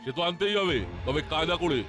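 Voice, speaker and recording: A man's voice: on the high side, fast, a bit bright, close to an everyday voice. A man voicing a bossy, scheming smuggling boss in a cartoon, impatient and commanding. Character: bossy, scheming male smuggling gang leader. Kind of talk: cartoon voice acting.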